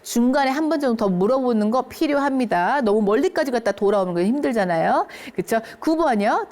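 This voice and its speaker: A woman with a slightly high voice leads an English lesson for seniors. She pronounces each English phrase slowly and carefully. Between phrases she checks in with her listeners in an encouraging tone. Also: lively intonation, darkish tone. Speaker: English teacher.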